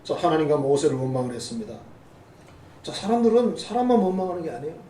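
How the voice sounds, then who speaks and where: A man's voice: a little high, fast talker, dark tone, a little hiss or hum. A middle-aged man preaching a sermon as a pastor, in a conversational way with teasing asides to the congregation. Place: church sanctuary. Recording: roomy church sound from a distant mic.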